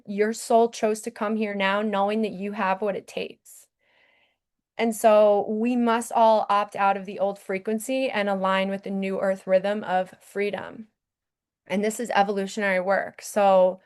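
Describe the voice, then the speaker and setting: A woman's voice: mid-range voice, darkish tone. A woman hosting a spiritual podcast who talks in an earnest, urging way and often checks in with the listener. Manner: earnest, urging, repeats "okay?". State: briefly emotional. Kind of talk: impassioned spiritual talk.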